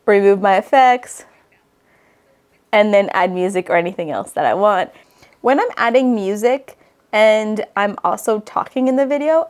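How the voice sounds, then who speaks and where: A woman's voice: medium pitch, darkish tone. A woman host presenting a tutorial in an instructive, conversational way, as an online educator. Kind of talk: tutorial narration to camera.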